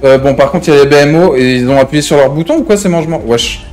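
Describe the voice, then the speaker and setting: A man's voice: a little high, fast, a little mellow, faint music behind, lightly acted. A man playing a hot-headed, menacing gang member in an improvised online crime roleplay, talking in slang with repeated verbal tics. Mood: agitated, bossy.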